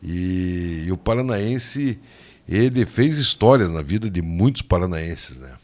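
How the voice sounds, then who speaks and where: Radio host guy, low voice, chatty, keeps cutting in with questions. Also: lively intonation, a little mellow. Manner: chatty, jumps in with quick questions. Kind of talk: radio interview. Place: radio studio.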